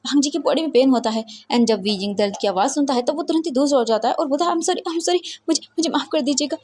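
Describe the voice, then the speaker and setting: A woman's voice: on the high side, slight background noise. A woman casually narrating her own fanfiction story, chatty and mixing in English words.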